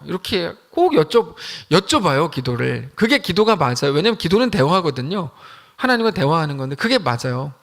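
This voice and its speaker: A man's voice: sits high, creaky, a bit bright. A male pastor giving a conversational midweek sermon, acting out prayers in quoted voices.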